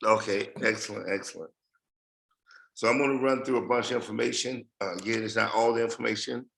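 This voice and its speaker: A man's voice: lowish voice, steady tone, fairly quick, creaky, a bit bright. A man losing his voice, giving a rambling casual update to a team on a group call. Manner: rambling, repeats phrases. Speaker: project leader giving updates.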